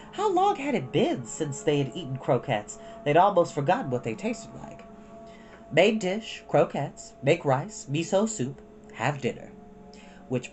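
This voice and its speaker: An expressive, informal storyteller reading a children's book aloud, with casual asides. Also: medium pitch. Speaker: storyteller and host.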